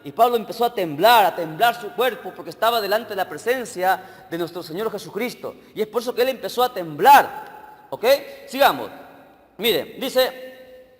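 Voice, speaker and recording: High-voiced man preaching in an echoing hall. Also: animated, normal speed. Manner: questions the congregation directly, checking they follow. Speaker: evangelist preacher. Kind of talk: sermon. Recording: long hall reverb with faint music.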